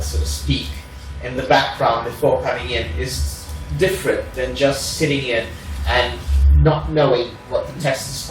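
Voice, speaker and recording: A man's voice: medium pitch, a little hiss or hum. Portuguese guy, not a native english speaker, explaining group rules, lots of "sort of", far from the mic, big echo. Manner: careful, hedging, many "sort of" fillers. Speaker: reading group organizer. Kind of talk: informal introductory talk to a group. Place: room at a group meeting. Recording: very echoey room, mic far off.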